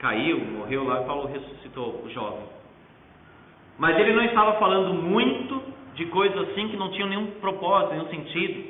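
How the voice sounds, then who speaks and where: With lively intonation and a high pitch, a man talks at a moderate pace amid audible room echo and noticeable background noise. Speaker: pastor. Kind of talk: sermon.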